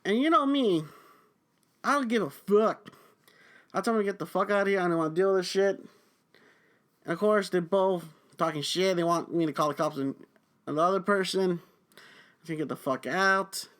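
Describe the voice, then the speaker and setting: A man's voice: sits high, normal speed, pauses often, fairly bright tone. A young man hosting a podcast, venting angrily about his job in a foul-mouthed rant. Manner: heavy swearing, angry venting. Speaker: podcast host. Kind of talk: profane ranting monologue.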